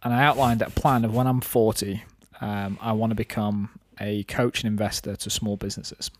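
A man's voice: on the low side, little pitch movement, moderate pace, dry recording. A man of thirty chatting casually on a podcast in a reflective, rambling way, explaining his own thinking. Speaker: podcast host and business owner.

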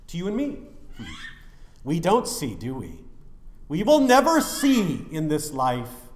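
A male pastor delivers an animated sermon in a church sanctuary, and every phrase rings with a roomy, cathedral-like echo. His pitch rises and falls widely as he moves from ringing declarations to hushed asides. His voice sits in an ordinary middle range for a man. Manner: animated, emphatic preaching with sudden drops to quiet.

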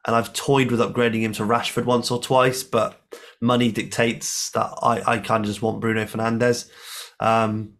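Podcast co-host, male, hoarse today, chatty and jokey. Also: mid-range voice, a bit bright. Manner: chatty, laughs often, swears. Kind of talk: casual football chat.

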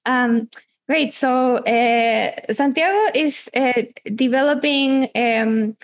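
High, gravelly-voiced woman podcast host. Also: slow pace. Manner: smooth reads, then hesitant with many fillers. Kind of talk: podcast hosting and sponsor reads.

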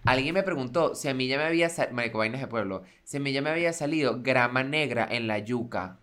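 A man's voice: medium pitch, fast, fairly bright tone. A man with a Venezuelan accent co-hosting a podcast, telling loose, joking stories full of slang in casual chat. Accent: Venezuelan Spanish. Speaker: podcast co-host.

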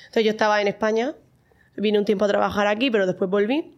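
A woman's voice: medium pitch, steady tone, quick pace, dull audio. A woman in her thirties with an accent from Spain, chatting casually and animatedly as a podcast guest, colloquial and self-mocking. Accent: Spanish, from Spain. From Murcia, Spain. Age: 30s. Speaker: podcast guest, mother and influencer.

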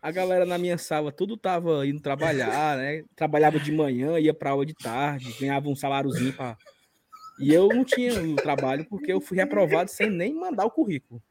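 A man's voice: on the high side, brisk, crowd noise. A man with a Northeastern Brazilian accent from Ceará and an occasional stutter, casually telling personal stories as a podcast host. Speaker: podcast and live stream host.

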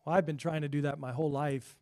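Middle-aged pastor, man, noticeably high voice, earnest pulpit delivery that swells on scripture and sinks for asides. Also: steady tone, fast. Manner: earnest preaching, rising loud on scripture, dropping quiet for asides. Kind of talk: sermon.

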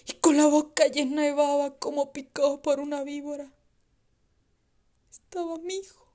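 High-voiced woman declaiming a poem. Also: completely flat delivery, dark tone. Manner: theatrical, drawn-out delivery. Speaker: poetry reciter. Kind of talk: dramatic poetry declamation.

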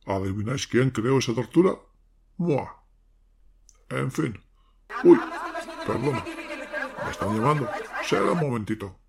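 A man playing a mocking, ghoulish crypt-keeper who theatrically presents horror tales with sardonic glee and a gravelly, raspy voice. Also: mid-range voice, lively intonation, a little slow, long pauses, crowd noise. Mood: gleefully sardonic. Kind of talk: theatrical horror anthology introduction.

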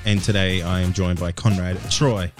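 A man's voice: deep voice, steady tone, normal speed, over music. A man co-hosting a podcast, joking and laughing through casual banter. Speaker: podcast co-host. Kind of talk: casual chat.

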